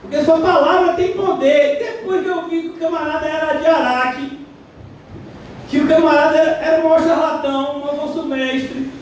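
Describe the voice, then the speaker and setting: A man with a Brazilian Portuguese accent preaching a lively, conversational sermon as a pastor, often mimicking other voices. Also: very high voice, normal speed, a little hiss or hum. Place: church hall. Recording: distant, very echoey church hall.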